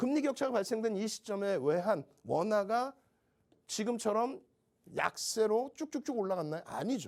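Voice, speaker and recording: Pitched high, a man talks in an animated tone with lively intonation. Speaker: stock market analyst. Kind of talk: market commentary broadcast. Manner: fast.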